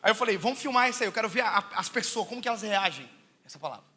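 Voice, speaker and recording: A young Brazilian man preaching with humor, telling stories in an animated, joking way that rises to shouts. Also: high voice, rapid-fire, slight background noise. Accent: Brazilian Portuguese. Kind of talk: humorous sermon storytelling.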